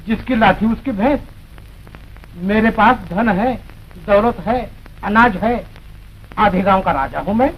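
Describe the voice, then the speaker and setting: An actor playing a smug, scheming village moneylender in a 1940s film. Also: male voice, high voice, slow, pauses often. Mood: gloating. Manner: smug, gloating, mocking laughs. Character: greedy scheming village moneylender, middle-aged man. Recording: dull old film soundtrack with hiss.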